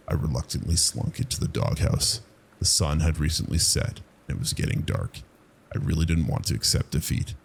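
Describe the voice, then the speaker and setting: Very deep, gravelly man narrating horror, haunting. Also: slight background noise. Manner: low, haunting delivery. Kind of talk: dramatic scripted horror narration in the first person.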